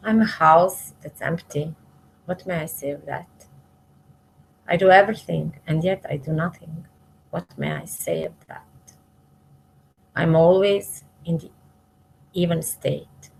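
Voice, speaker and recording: A woman reading spiritual verses aloud devotionally, in measured short phrases that trail off softly at the ends. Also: low-pitched, gravelly, slight background noise, rough recording. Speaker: reader of spiritual scripture, commenting as she goes.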